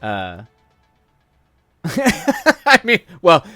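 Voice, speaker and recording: A man's voice: high voice, wildly swooping pitch, very slow, bright, forceful tone, faint music behind. A man in his thirties hosting a livestream, chatting casually with viewers, rambling with frequent restarts and chuckles. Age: 30s. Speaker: livestream host. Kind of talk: casual chat answering viewers.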